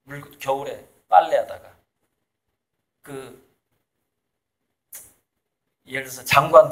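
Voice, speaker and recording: A man's voice: mid-range voice, a bit bright, slight background noise. A man from South Jeolla talking in a casual, emphatic way as an interviewee, making his points with laughs in between. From South Jeolla, Korea. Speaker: artist and author, interviewee. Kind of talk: casual conversational lecture.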